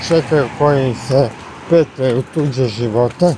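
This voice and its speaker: Over loud background noise, a very slow voice comes through dry, with no echo. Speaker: family vlogger. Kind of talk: casual vlog chat. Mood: mildly annoyed. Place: street. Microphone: phone near.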